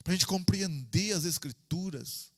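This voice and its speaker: A man's voice: high voice, unhurried, dry recording, big-room sound. A man with a Brazilian Portuguese accent, teaching a Bible study as an informal sermon, talking conversationally, repeating himself and calling for amens. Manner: conversational, repeats himself, asks the listeners for "amém".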